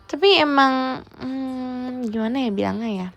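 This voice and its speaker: A woman's voice: sits high, a little slow, fairly bright tone. A young woman, chatting teasingly in a playful role-play livestream and dropping in English words. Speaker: idol livestreamer.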